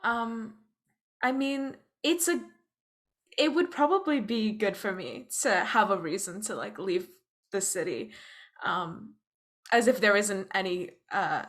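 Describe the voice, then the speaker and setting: A woman's voice: mid-range voice, animated, slow pace, fairly bright tone. A young woman chatting casually as a guest, hesitant and self-deprecating. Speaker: playwright, roundtable guest. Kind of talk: casual chat.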